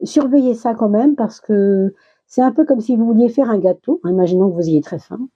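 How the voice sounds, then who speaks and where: A woman giving a casual tarot reading to her viewers, chatty and reassuring with many little restarts, her words a bit slow while she gets over a minor illness. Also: fairly high pitch, husky, dull audio. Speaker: tarot reader.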